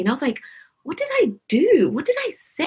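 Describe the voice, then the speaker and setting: A woman with a London accent, somewhat breathy, at a fairly quick pace. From West London (Hounslow), British Punjabi family. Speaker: property investor. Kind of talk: interview. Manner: animated.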